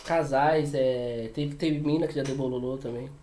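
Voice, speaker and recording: A man's voice: medium pitch, steady tone, normal speed, dark tone. A man with a Brazilian accent telling casual anecdotes as a podcast guest, using heavy slang and repeating himself.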